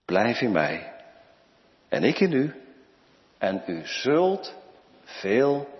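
Male preacher, sermon delivery, very lively pitch, drops to hushed words, muffled church sound. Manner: slow, lively preaching with dramatic pauses and sudden drops to near whispers. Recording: muffled church recording with long reverb.

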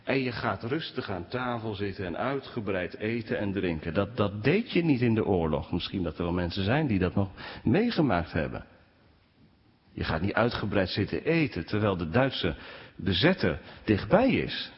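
A man preaching a sermon to his congregation, speaking with animated swings in pitch. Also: moderate pace. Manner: animated preaching, rising pitch when quoting complaints. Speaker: pastor. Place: church. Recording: dull sound with long church reverb.

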